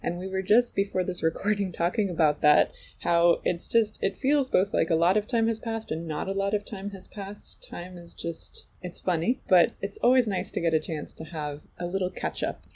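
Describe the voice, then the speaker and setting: A woman's voice: fairly low pitch, creaky, dark tone, slightly rough. A woman hosting a podcast interview, friendly and chatty with her guest. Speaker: podcast host. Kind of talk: conversational interview.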